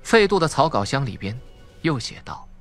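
A man's voice: mid-range voice, big pitch swings, normal speed, a bit bright, faint music behind. A man with a Mainland Chinese Mandarin accent narrating a suspense audiobook in a theatrical, dramatic way. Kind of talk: dramatic scripted narration of a crime thriller.

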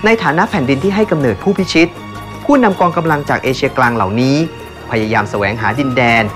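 A man's voice: mid-range voice, big pitch swings, fast talker. A man narrating a documentary voice-over in a formal tone, addressing the viewers directly. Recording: voice-over with loud music bed.

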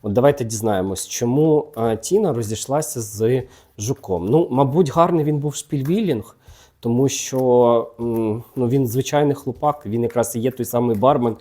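A man with a warm, mellow voice gossips casually while he reads cards. His talk is chatty and teasing, and he often turns to address the celebrities directly. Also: medium pitch, moderate pace. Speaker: gossip channel host reading tarot cards.

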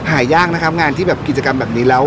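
A man's voice: on the high side, very fast. A man hosting an outdoor market opening in a playful, teasing, chatty way, with a handheld mic. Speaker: event host. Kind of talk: lively event hosting. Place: outdoor night market, street. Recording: loud crowd and street noise.

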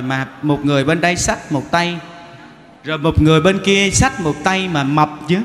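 A man with a Southern Vietnamese accent, a monk giving a humorous sermon full of stories, teasing the audience and acting out characters. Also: a little high. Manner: animated, teasing, acts out characters. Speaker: monk giving a dharma talk. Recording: echoey hall, faint background noise.

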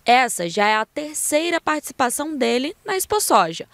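High-voiced Brazilian woman news reporter. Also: sing-song, moderate pace, a bit bright, no echo. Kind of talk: scripted news report narration.

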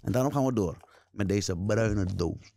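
A man hosting a podcast in casual conversation, speaking easily with many fillers and quick agreements. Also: on the low side, warm tone, slight background noise. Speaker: podcast host. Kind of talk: casual chat.

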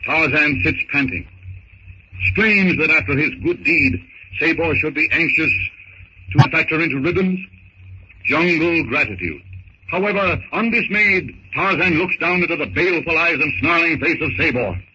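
Through the heavy noise and muffled sound of an early thirties radio recording comes a man narrating an adventure serial. His voice is high-pitched, and his delivery is theatrical and full of suspense. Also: normal speed, bright, forceful tone. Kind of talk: 1930s radio dramatic narration. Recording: noisy, muffled early 1930s radio broadcast. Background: heavy old-recording noise.

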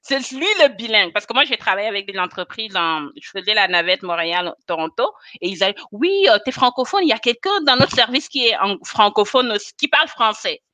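A woman in her thirties talks animatedly over a video call, a bright, forceful voice with frequent laughs. The sound is dry and close, with no room echo. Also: mid-range voice, brisk, hardly any pauses. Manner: animated, expressive, laughs often. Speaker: guest, chemist and cosmetics consultant. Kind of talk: casual video-call interview. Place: small room indoors. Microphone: webcam on a video call.

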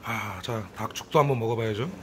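A man's voice: fairly low pitch, brisk. Man doing mukbang eating commentary, noisy room. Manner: talking while eating, with savoring interjections. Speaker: mukbang vlogger. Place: indoors in a restaurant by open windows. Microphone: camera at arm's length on the table. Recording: noisy restaurant with clattering dishes.

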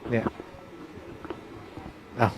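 A man who is a Buddhist monk gives an informal dharma talk. He explains things patiently and grows soft and earnest when he gives advice. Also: drawn-out words, very noisy.

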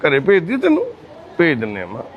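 A man with a fairly high voice speaks softly and kindly, doing the rounds of a shelter and chatting with each resident. He comforts and reassures the people he greets. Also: wildly swooping pitch, fast talker, narrow, tinny audio, a crowd in the background. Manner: gentle and reassuring, calls women mother and sister. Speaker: charity volunteer visiting residents. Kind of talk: casual chat with care-home residents. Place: indoor shelter for destitute people.

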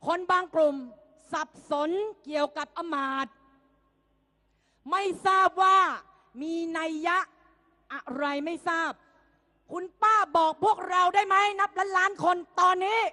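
A young woman, a student, giving an impassioned rally speech, often shouting and mocking her opponents while she rouses the crowd. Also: very high voice, normal speed. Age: young adult. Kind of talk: fiery political rally speech.

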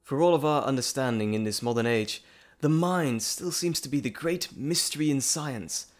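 A man's voice: medium pitch, normal speed, natural voice. A man playing an earnest, polite, bashful doctor and lecturer in an audio drama, articulate and formal. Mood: passionate. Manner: articulate, formal, eager to ramble. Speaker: voice actor in audio roleplay. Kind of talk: audio drama roleplay acting, addressing the listener.

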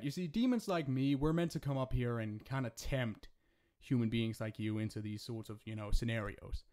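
A man's voice: fairly high pitch, a little mellow. A man voicing a cheeky, flirty male demon in a casual, sardonic ASMR roleplay monologue, joking and swearing freely. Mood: teasing pity.

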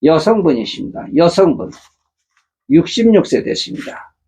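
Addressing viewers of his matchmaking agency channel, this middle-aged host delivers an earnest, casual lecture full of rhetorical questions. His warm, husky voice runs on the high side, swings widely in pitch, and moves at normal speed.

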